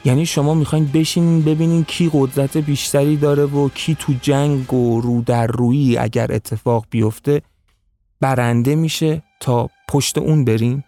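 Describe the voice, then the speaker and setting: A man voicing a scheming, powerful male tribal chief who speaks calmly and calculatingly in an audio story. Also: mid-range voice, faint music behind, natural voice. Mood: pressing.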